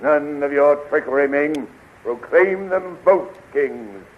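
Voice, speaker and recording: A man's voice: fairly high pitch, animated, slow pace. A man playing a blunt, hearty warrior king, declaiming emphatically in a 1930s radio serial. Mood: indignant. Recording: tinny, noisy 1930s radio recording.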